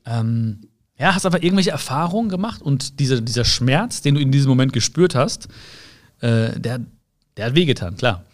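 A man's voice: mid-range voice, lively intonation, moderate pace. A young man in an earnest, casual motivational talk, addressing the listener directly with rhetorical questions and frequent fillers. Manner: earnest, searching, many fillers and restarts. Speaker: personal development speaker.

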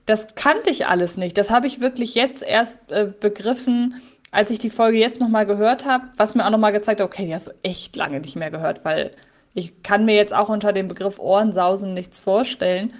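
A woman's voice: medium pitch, fairly quick. A woman co-hosting a podcast, chatting in a reflective way about an old audio drama episode she heard as a child. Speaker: podcast co-host.

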